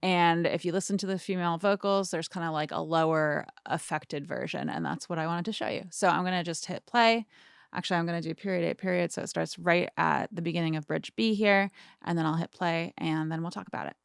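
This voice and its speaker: Fairly quick and on the low side, with vocal fry and a smooth quality, this woman in her thirties talks informally through a mixing demo. The close recording from a small studio has no room sound, and she thinks aloud as she goes, screen-share style.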